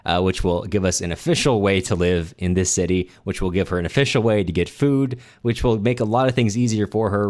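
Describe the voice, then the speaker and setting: A man hosting a podcast, talking through literature in a casual, conversational way. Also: deep voice. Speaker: podcast host.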